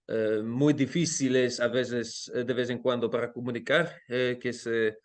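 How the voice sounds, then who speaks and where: Slow and hesitant, a male language teacher from the Netherlands, a native Dutch speaker, appears as a guest in a casual interview from his Amsterdam home. His delivery is flat, his pitch medium, and he restarts frequently, filling pauses while looking for words.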